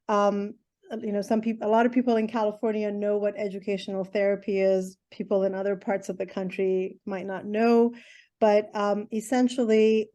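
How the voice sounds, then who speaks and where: A woman's voice: mid-range voice, mellow. A middle-aged woman from Iran, an educational therapist answering interview questions thoughtfully, with many ums and restarts.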